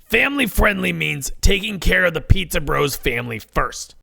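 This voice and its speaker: A man voicing a bossy, officious woman who trains pizza store staff, with a gravelly voice, in a comedic story. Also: medium pitch, sing-song, normal speed, sharp tone, dry recording, studio quality, voice pushed up, exaggerated voice. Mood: smug, instructive. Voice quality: gravelly, creaky. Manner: officious, corporate-script delivery.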